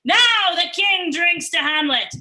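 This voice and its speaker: A woman's voice: extremely high pitch, lively intonation, takes it slowly, sharp tone, full character voice. A woman playing a commanding, ceremonious, scheming king in a dramatic reading of Shakespearean verse. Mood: grand, proclaiming.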